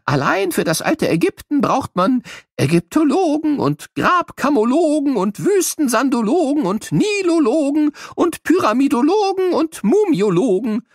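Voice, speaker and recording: High-pitched, excitable old professor, cartoonish, playful exclamations, drawn-out words, dry studio sound. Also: male voice, dry recording, heavily acted. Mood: playful, proud. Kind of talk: children's educational audio play.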